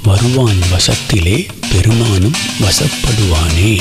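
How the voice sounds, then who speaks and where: An actor playing a mysterious unseen man who chants an old verse in a slow, deep voice, heard from a distance in a radio drama. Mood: eerie chant. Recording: distant voice under loud music.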